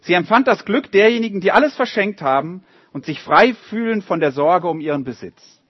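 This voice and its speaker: Man, storyteller for kids, fairly high voice, very lively pitch, dull and dry sound. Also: moderate pace, slightly rough, dry recording. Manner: lively, animated reading. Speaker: storyteller for children. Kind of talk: reading a story aloud to children, drawing along.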